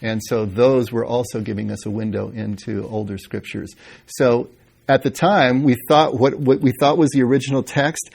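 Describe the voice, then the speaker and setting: A man lectures on the history of scripture in a relaxed, conversational way. His voice has a gravelly edge and sits at an ordinary male pitch. He often pauses to rephrase, stringing thoughts together with fillers. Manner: conversational, thinking aloud with fillers and restarts. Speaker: Bible history teacher. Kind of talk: informal lecture with questions.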